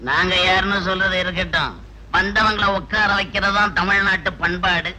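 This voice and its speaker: Bossy village heavy in an old tamil movie, high piercing voice. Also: male voice, fairly even intonation, moderate pace, pushed and bright, slight background noise, low-quality recording. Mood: domineering. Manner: domineering. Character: threatening village landlord's man. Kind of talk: 1980s Tamil film comedy.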